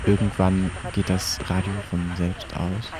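A man playing a detached, solemn radio play narrator, speaking in measured, deliberate short phrases. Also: sits low, flat delivery, music in the background. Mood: detached, calm. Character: detached, solemn male narrator of a tunnel journey. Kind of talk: slow, scripted literary radio play narration.

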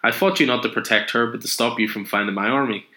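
A man's voice: medium pitch, quick pace, pushed and bright, natural voice. A man voicing a cold, gloating male robot villain in an echoey room. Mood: contemptuous. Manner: boastful, cold.

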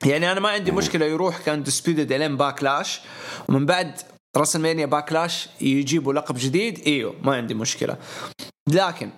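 A man's voice: fairly high pitch, rapid-fire, a bit bright. A man, co-hosting a podcast in casual chat and laying out his opinions point by point. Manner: talkative, opinionated, runs through lists. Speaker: podcast co-host.

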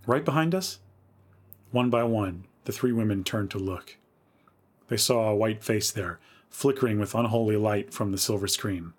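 A man hosting a podcast, reading a horror story aloud in a measured, atmospheric way. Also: on the low side, fairly even intonation, slightly rough.

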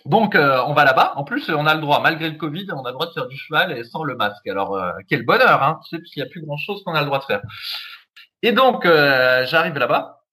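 Podcast co-host, male, jokey storyteller, bright and slightly high voice. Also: animated, brisk. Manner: joking, laughs often, storytelling. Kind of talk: casual podcast chat.

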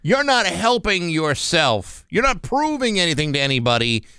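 Casting: American man, sardonic morning-radio host, animated pitch swings, casual banter, dry studio mic. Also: normal speed, clear, resonant tone, dry recording. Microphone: close studio microphone.

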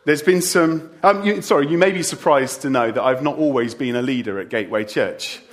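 A middle-aged church leader preaches a farewell sermon at a church service in a medium-pitched, fairly quick voice. He breaks it up with joking asides aimed at the congregation.

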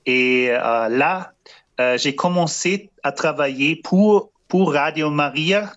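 Halting German-accented priest on radio. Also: male voice, on the high side, fairly bright tone, dull audio. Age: 50s. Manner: halting, searching for words with many fillers and restarts. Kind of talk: radio interview answers.

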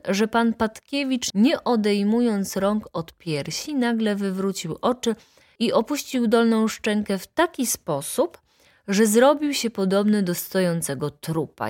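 A woman narrating a classic novel as an audiobook in a calm, even storytelling voice. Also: medium pitch, dry recording, clean studio sound. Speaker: audiobook reader.

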